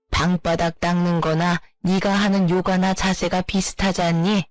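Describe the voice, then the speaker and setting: A woman's voice: medium pitch, dry recording, natural voice. A woman voicing a bossy, scheming older mother-in-law who scolds and belittles, in a storytelling narration. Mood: wheedling.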